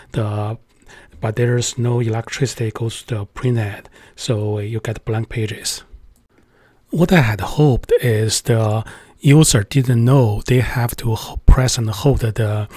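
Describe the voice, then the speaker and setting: A man talks through a casual tutorial in a chatty, hesitant voice full of filler sounds. His voice sits at an ordinary middle pitch. The sound is dry and close, with no room echo. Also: darkish tone, slightly rough. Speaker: tech channel host.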